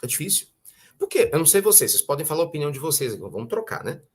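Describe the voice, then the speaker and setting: A man with a Brazilian accent giving a conversational spiritual talk, often asking rhetorical questions and clearing his throat. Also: on the high side, very animated, rapid-fire. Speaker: spiritual teacher.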